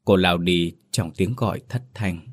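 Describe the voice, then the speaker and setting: Deep-voiced man narrating a mournful tale. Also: measured pace. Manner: solemn, mournful storytelling. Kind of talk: scripted narration of a tragic ghost story.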